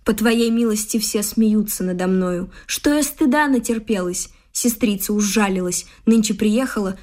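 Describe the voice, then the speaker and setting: An actress playing a discontented, frivolous young wife in a classic Russian radio comedy, with a pouty, scornful and stubborn manner. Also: female voice, mid-range voice, moderate pace, a little mellow, close to an everyday voice. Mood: defiant, nagging. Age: young adult. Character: discontented, petulant, frivolous young wife craving fashion and comfort.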